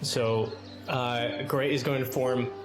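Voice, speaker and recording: A man's voice: mid-range voice, fairly even intonation, slow. A man playing a tabletop game, casually explaining rules and describing his character's actions. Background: prominent music.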